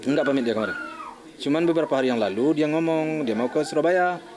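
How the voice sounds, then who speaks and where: Older man, halting and shaken. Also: a little high, noisy background. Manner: halting, restarting, acting out phone calls. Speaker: interviewee, bereaved father. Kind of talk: recounting events in an interview.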